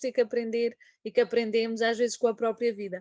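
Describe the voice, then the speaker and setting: A woman speaks over a quiet background. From Madeira, Portugal. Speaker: performance coach. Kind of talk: interview.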